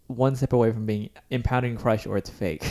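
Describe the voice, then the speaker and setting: A man with a warm, mellow voice chats casually as a podcast co-host. He is wry and loose, often breaking off mid-thought before picking the sentence back up. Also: medium pitch, steady tone, normal speed. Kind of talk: casual chat.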